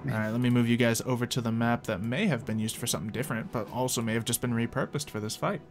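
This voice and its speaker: A man's voice: mid-range voice, fairly even intonation, quick pace. A man casually narrating an online tabletop roleplay game as game master, in an informal storytelling way. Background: music.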